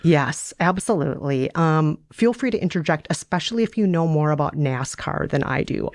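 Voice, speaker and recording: A woman, hosting a podcast in a relaxed, wry way, chatting and reading fiction aloud. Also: sits low, moderate pace, dry recording, studio quality. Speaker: podcast host and storyteller.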